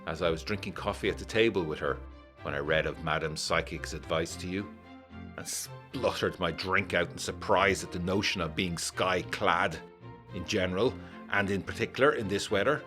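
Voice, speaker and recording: Very deep-voiced, brooding 1920s gentleman. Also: faint music behind. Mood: worried, brooding. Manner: formal, period diction, measured with dramatic emphasis. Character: indignant, brooding 1920s gentleman, worried and old-fashioned. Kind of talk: gothic audio drama letter narration.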